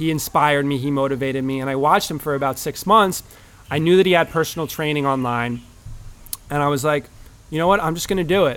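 Talking at a very fast pace in a New Jersey accent, a man uses a fairly high pitch with ordinary pitch variation. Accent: New Jersey American. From New Jersey, US. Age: 20s. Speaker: marketer. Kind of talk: casual interview. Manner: hesitant fillers.

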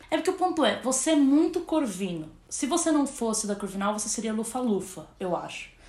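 Over noticeable background noise, a woman with a high voice talks at a fairly quick pace with hardly any pauses and very wide pitch swings. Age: 20s. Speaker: podcast co-host. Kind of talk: casual chat. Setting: recording in the same room at home.

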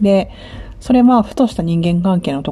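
A woman speaks over noticeable background noise. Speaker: solo podcaster on life after divorce. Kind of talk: casual monologue.

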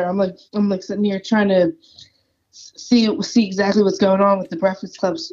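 A woman talks at a fairly quick pace with a New Jersey accent. Her pitch is fairly high. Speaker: guest. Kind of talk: casual chat.

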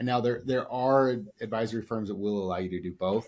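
Here is a normal speaking voice from a man with an American accent, pitched fairly low with ordinary pitch variation. He moves at a fairly quick pace. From southern Idaho. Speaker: real estate investor. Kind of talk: interview.

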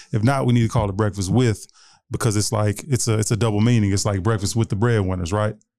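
A man at medium pitch with a dark, mellow tone, talking at a very fast pace on a very clean recording with a silent background. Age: 30s. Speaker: rapper and music artist. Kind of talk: casual chat.

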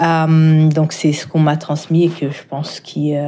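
Her voice is very deep and low. The woman's tone is dark and mellow. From Val-d'Oise, Paris suburbs. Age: 30s. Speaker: afrofeminist activist and essayist. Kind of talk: personal testimony interview. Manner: hesitant, many fillers.

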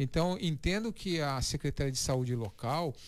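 This is a man speaking. His intonation is lively. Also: very clean recording, silent background. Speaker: administrator and sports executive. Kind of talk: radio panel discussion.

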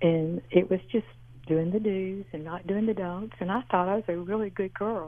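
The speaker talks with a Southern US accent and fairly even intonation. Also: woman, medium pitch for a woman, moderate pace. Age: 70s. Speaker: caller. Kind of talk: call-in. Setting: phone call.

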